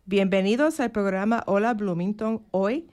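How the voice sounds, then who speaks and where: Radio host woman, friendly conversational manner, studio mic, mid pitch. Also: normal speed, darkish tone. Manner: friendly, conversational, some restarts. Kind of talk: live radio interview. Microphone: studio microphone.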